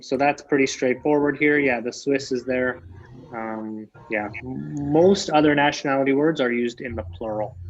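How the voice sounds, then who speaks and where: A man's voice: medium pitch, lo-fi sound. A Canadian man teaching an English lesson online, patiently repeating key phrases for his students.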